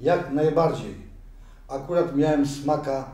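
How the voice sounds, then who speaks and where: A man voicing a nervous, greedy male traitor in an amateur audio drama, pitched higher and pushed louder. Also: slow pace, close to an everyday voice. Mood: wary. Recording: very echoey room, far from mic.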